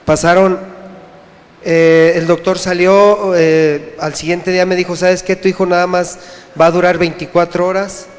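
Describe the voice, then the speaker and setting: A man's voice: sits high, little pitch movement. Earnest man giving testimony in a hall. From Mexico. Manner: earnest, halting, repeats words. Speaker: church member giving testimony. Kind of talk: personal testimony. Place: church congregation. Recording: echoey church hall.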